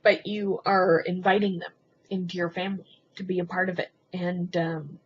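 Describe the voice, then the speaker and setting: A woman talking in a casual, rambling confessional vlog, hesitant and halting as she thinks aloud with frequent ums. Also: on the low side, level tone, slightly rough. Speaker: video blogger. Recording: muffled lo-fi sound with faint background noise.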